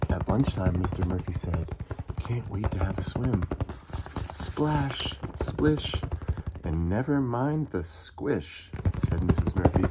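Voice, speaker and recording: A man reading a children's storybook aloud in an expressive way, acting out the dialogue. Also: low-pitched. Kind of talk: storybook narration. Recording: noisy, with typing and clicks.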